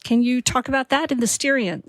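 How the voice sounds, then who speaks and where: A woman's voice: high-pitched, a little fast, dry recording. Upbeat chatty woman hosting a podcast, dry close sound. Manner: enthusiastic, chatty. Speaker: podcast host. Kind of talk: podcast interview.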